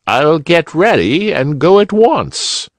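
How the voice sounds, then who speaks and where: A man voicing a polite, kind old rabbit gentleman in a gentle, fussy way. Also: on the high side, big pitch swings, takes it slowly, dry recording, pitched above the performer's own voice, heavily acted. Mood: kindly.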